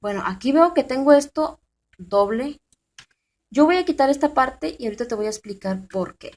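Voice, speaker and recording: A woman with a high, slightly mellow voice and lively intonation hosts a screen-recorded programming tutorial at normal speed. She's informal, thinking aloud with plenty of fillers and restarts, and she speaks straight to the viewer with questions.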